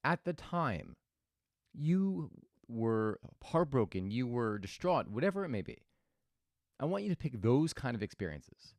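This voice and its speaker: A man speaks in a reflective, motivational way, telling stories and often restarting his sentences. His pitch swings widely as he talks. The sound is dry and close, with no room around it. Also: big pitch swings, a little slow, no echo. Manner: thoughtful, storytelling, with restarts. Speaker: host.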